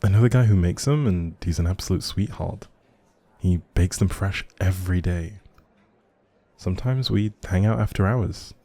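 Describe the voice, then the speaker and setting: Man playing a low, creaky, shy young writer. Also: normal speed, mellow, no room sound. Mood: friendly, shy. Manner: rambling, hesitant, apologetic, chatty. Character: shy, socially anxious, friendly young male writer, café regular. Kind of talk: intimate audio roleplay addressed to the listener.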